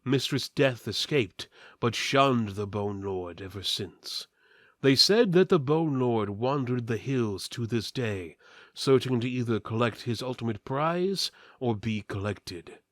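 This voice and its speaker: A man's voice: mid-range voice, no echo, studio quality. A man giving a portentous, mock-serious dramatic reading of an epic fantasy story. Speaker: narrator, reader.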